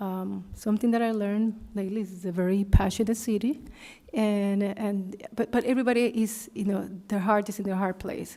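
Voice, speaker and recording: Fairly even intonation and a dark, mellow tone carry this speech in a non-native accent. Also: woman, medium pitch for a woman, moderate pace. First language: not English. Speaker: school board member. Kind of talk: public meeting remarks. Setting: board meeting. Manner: hesitant, many fillers.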